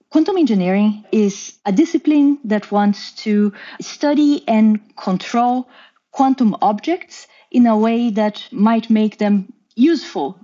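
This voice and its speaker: A woman in her thirties speaks with a Brazilian Portuguese accent, explaining her work in a careful, measured way. Her voice is mellow and warm rather than bright. The audio is somewhat dull and lo-fi, like a remote recording. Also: medium pitch. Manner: careful, explanatory, with occasional restarts. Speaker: guest scientist. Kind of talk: podcast interview, explaining.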